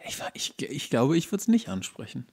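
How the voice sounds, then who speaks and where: A man's voice: mid-range voice, very animated, normal speed, a little mellow, slightly rough. A man in his thirties chatting casually as a podcast co-host. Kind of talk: casual chat.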